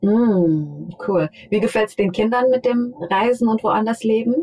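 A woman's voice: fairly high pitch, fairly even intonation, measured pace, mellow, husky. A woman hosting a podcast interview, asking short questions and giving brief affirming murmurs. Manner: attentive, brief affirming backchannels. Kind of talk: casual interview.

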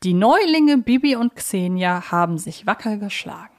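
A woman's voice: mid-range voice, animated, normal speed. A woman hosting a podcast in a casual, playful chat style. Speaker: podcast host. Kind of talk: casual chat, fan quiz.

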